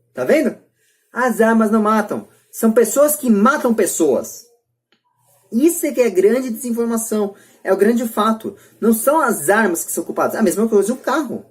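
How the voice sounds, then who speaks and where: A Brazilian woman hosting a casual podcast debate, emphatic and often repeating or rephrasing her points. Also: a little high. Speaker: podcast host.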